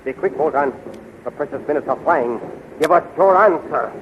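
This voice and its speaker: A dull, noisy 1930s radio recording carries an impatient young-hero-style prince, played by a man. His fairly high male voice is earnest, clipped and theatrical. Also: expressive, moderate pace, natural voice. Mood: brisk, anxious. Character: brisk, impatient male prince, scientist's loyal ally. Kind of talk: 1930s radio serial acting.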